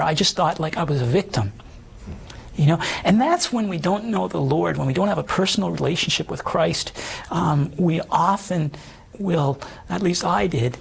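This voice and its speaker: A man around fifty with a hoarse, damaged voice, earnestly telling his life story as an interview guest, halting and full of restarts. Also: high-pitched. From Canada. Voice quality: hoarse, gravelly voice. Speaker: guest sharing his testimony. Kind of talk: personal testimony in conversation.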